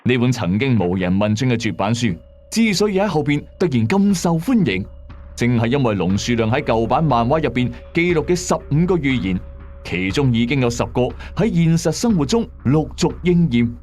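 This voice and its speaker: A male storyteller with a Hong Kong Cantonese accent delivers scripted mystery narration. His pitch is average for a man but moves in lively swings from phrase to phrase. Soft music plays underneath. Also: normal speed. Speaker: host and storyteller.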